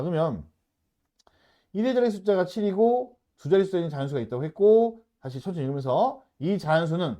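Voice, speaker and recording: A man's voice: high-pitched, warm tone. A man teaching a math lesson, often checking in with his students and moving between polite and casual speech. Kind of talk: lecturing at a whiteboard.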